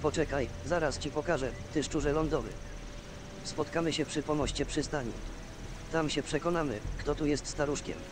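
An actor playing a cocky, threatening old pirate in a fantasy video game, gruff and taunting. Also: male voice, on the high side, moderate pace, lightly acted. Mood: mocking, menacing. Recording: game audio with clear ambient noise.

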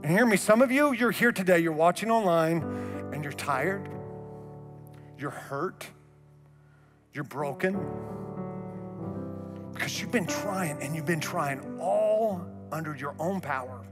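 A man in his thirties preaching a sermon on a church stage through a headset mic, animated and moving around, dropping to a soft low voice for emphasis. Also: unhurried, pauses often. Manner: animated, gestures widely while pacing the stage. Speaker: pastor. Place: large church auditorium stage. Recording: reverberant hall, faint music.

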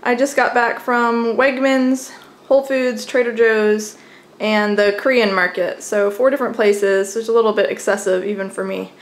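A woman's voice: on the high side, steady tone, normal speed. A young adult American woman narrating a casual, chatty home vlog from her kitchen, recorded on a camera mic. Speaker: home vlogger showing groceries. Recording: clearly noisy home camera audio.

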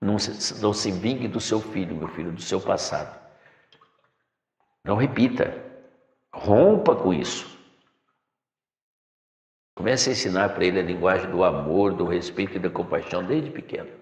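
A middle-aged spiritual teacher with a deep, darkish voice lectures expressively at a moderate pace, pausing at length. Sitting in a decorated room, he preaches and calls his listeners "my son," captured by a distant camera amid long, echoing reverb.

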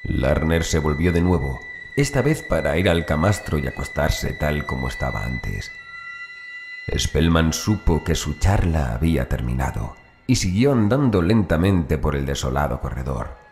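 A man with an extremely low voice narrates a horror story. It is a scripted audiobook reading with music playing behind him. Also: animated, normal speed, a little mellow.

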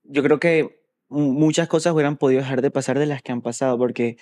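A man's voice: medium pitch, brisk. A young man, chatting and teasing casually. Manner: joking, teasing, relaxed banter. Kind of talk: casual chat.

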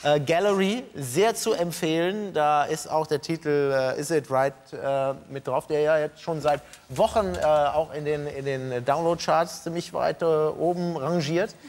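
A man's voice: on the high side, unhurried, hardly any pauses, darkish tone. A middle-aged man hosting a late-night TV talk show, joking casually with his guests and hesitating often. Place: TV studio with audience.

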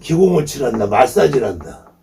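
A man's voice: mid-range voice, very animated, a little fast, creaky, darkish tone, recorded from a distance, a little hiss or hum. A man lecturing as a shaman teacher, emphatic and repetitive, scornfully firing off rhetorical questions, recorded from a bit away from the mic.

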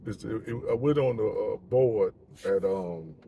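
A man's voice: fairly low pitch, a little slow, creaky, breathy edge, highs cut off. A middle-aged man, a truck driver, talking casually to a phone camera from inside his car, frustrated and repeating himself as he vents. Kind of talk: casual vlog talk to camera. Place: inside a parked car by day. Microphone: phone camera held close.

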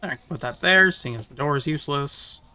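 A man streaming a game, talking casually with chat and breaking into loud playful rants. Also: fairly high pitch, brisk, slight background noise. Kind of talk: casual live-stream chat while gaming.

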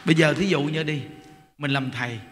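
A man's voice: fairly high pitch, brisk, a bit bright. A man giving a Buddhist dharma talk in a folksy way, acting out blunt everyday exchanges. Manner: folksy, acts out blunt dialogue with listeners. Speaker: Buddhist teacher. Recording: long hall reverb, faint noise.

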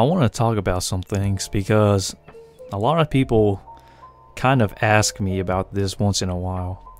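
The speaker is a young tarantula breeder and channel host from the United States, giving easygoing, rambling, self-deprecating narration over his hobby footage. His voice is deep, and his American accent has a slight Asian lilt he himself points out. Faint, soft music plays beneath a voice-over recorded apart from the pictured footage.

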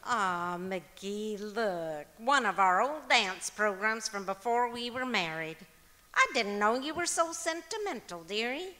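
Woman playing a bright-voiced, exasperated radio comedy wife. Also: medium pitch, lively intonation, measured pace. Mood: fond, teasing. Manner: scolding, folksy. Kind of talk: 1940s radio comedy acting. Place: auditorium stage, live performance. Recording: reverberant auditorium stage.

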